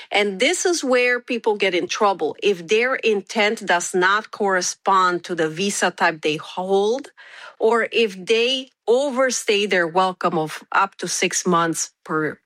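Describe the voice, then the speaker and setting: Measured woman attorney. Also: mid-range voice, fairly bright tone, dry recording. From Romania. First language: Romanian. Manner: measured, with frequent filler pauses. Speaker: immigration attorney, guest. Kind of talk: interview answers.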